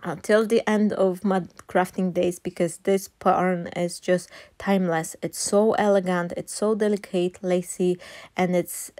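A woman with a Polish accent talks through a card-making tutorial with eager, gushing enthusiasm. Her voice sits a little low for a woman, and she fills her talk with ums and restarts. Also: little pitch movement, measured pace, mellow. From Poland. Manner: enthusiastic, many fillers and restarts. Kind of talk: chatty craft tutorial voice-over.

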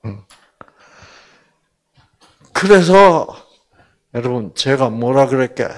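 Older male Bible lecturer, slow storyteller, wide lively pitch, acts out quotes. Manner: animated, acts out quotes with big pitch jumps.

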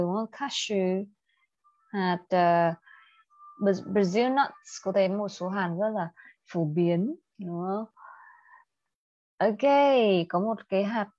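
A woman's voice: mid-range voice, darkish tone, dry recording, dull audio. A young woman with a Vietnamese accent teaching an IELTS speaking lesson on a livestream, switching between Vietnamese and English and asking students questions.

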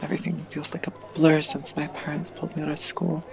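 A woman playing a withdrawn, troubled teenager narrating an audio drama, hesitant and confiding in a creaky voice. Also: low-pitched, little pitch movement, quick pace, music in the background. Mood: subdued, dazed.

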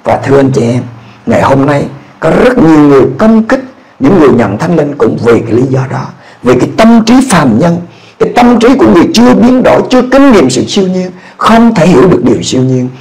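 A middle-aged pastor from Vietnam delivers a testimony sermon in a high-pitched male voice. He sinks into low, hushed storytelling, then climbs into loud, fervent cries. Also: big pitch swings, quick pace, poor audio. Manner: swings from low quiet narration to loud high fervent exclamations.

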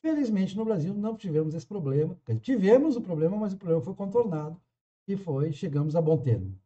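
A man in his forties with a southern Brazilian accent, arguing in a measured, firm way on a video call. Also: sits high, sing-song, warm tone. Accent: southern Brazilian Portuguese. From Caxias do Sul, southern Brazil. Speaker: channel host. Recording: dull lo-fi call audio.

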